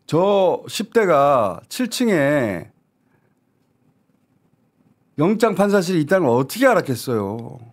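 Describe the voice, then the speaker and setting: A man commentating on a news talk show, his voice rising and falling widely as he pushes each point with indignant urgency. His voice sits a little high for a man. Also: big pitch swings, unhurried, pauses often. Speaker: political commentator.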